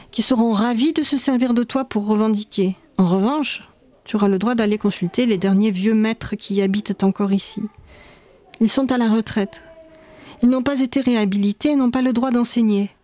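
A man's voice: high voice, steady tone, brisk, mellow, lightly acted. A woman voicing a weary male school director who lectures and reasons patiently in a read-aloud memoir. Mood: conceding.

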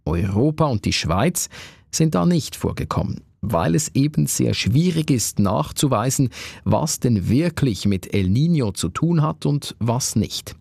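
A man's voice: mid-range voice, expressive, unhurried, gravelly, darkish tone, breathy edge, dry recording, clean studio sound. A man narrating a news podcast from a conversational script.

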